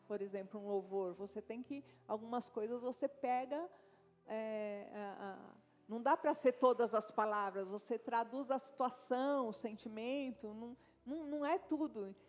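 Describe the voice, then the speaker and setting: Female pastor, Brazilian accent, higher voice, casual chatty sermon with faint music beneath. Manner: conversational preaching, tag questions and asides to the congregation. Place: church service.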